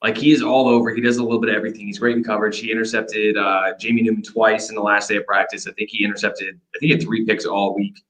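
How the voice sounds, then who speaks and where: Fast-talking man breaking down prospects. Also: fairly low pitch, poor audio. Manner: quick, energetic breakdown of players. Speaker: podcast co-host. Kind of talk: casual sports analysis. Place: hotel room.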